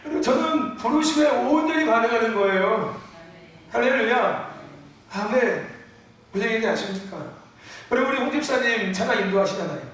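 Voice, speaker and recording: Heard from a distance in an echoey church hall, this middle-aged pastor preaches with a very high voice, lively intonation, and a fairly quick pace. He keeps calling out to his congregation, breaking into loud emphatic bursts and chuckling between them.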